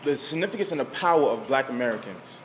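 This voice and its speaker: A man's voice: mid-range voice, expressive, quick pace, slight background noise. A man in a casual group debate, insistent and repeating his phrases for emphasis.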